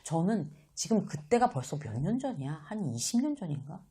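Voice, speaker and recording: A middle-aged woman giving a casual lecture on life and work, lively and exclamatory, acting out what people say. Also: on the low side, moderate pace, slightly rough. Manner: lively, exclamatory, acts out quoted dialogue.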